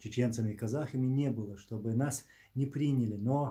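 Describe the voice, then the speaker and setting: A man speaks at a fairly slow pace in a medium-pitched voice. His tone is dark and mellow, and somewhat breathy. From Chechnya. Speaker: streamer hosting a call-in live stream. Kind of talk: live stream call-in chat. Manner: hesitant, many filler sounds.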